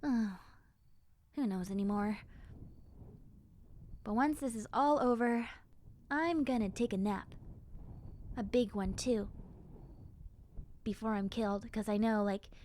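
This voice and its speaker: A woman's voice: mid-range voice, darkish tone, a little hiss or hum, natural voice. A woman voicing a friendly, lonely young zombie girl in an audio roleplay, chatting casually and girlishly straight to the listener.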